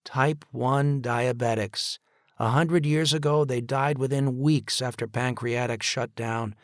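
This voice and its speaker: A man voicing a weary male doctor who speaks in a tired, cold, measured way. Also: medium pitch, steady tone, no room sound, clean studio sound, voice pushed up, natural voice. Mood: grim.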